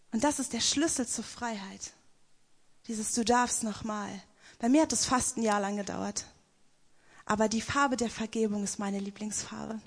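A young woman giving an emphatic spoken-word devotional testimony. She slows right down for the lines she quotes. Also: fairly high pitch.

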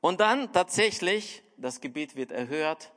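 A man's voice: lively intonation, measured pace. Man, middle-aged, pastor, storytelling sermon, addresses the listener directly, voice rises and drops a lot, long hall echo. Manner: storytelling, speaks straight to the listener; wide swings in loudness and pitch.

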